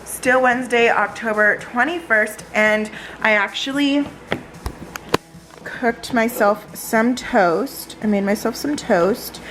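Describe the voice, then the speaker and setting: A woman's voice: a little high, slow pace, a bit bright, slight background noise, poor audio. A woman vlogger chatting casually and informally to her viewers in a day-in-the-life style.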